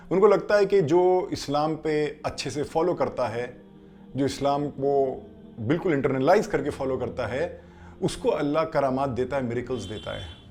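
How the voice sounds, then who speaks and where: A man teaching through a story in an unhurried religious talk, often pausing to check in with his listeners. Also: mid-range voice, a little mellow.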